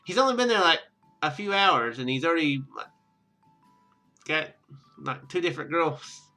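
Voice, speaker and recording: A man's voice: a little high, big pitch swings, moderate pace, sharp tone, soft background music. A man hosting a gaming video, reading a visual novel aloud with casual commentary and stumbling over lines as he goes. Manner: stumbles over read lines and corrects himself.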